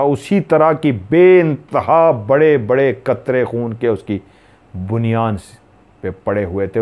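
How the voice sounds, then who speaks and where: A man's voice: mid-range voice, a little mellow. Male storyteller from Pakistan, suspenseful horror narration. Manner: dramatic, suspenseful.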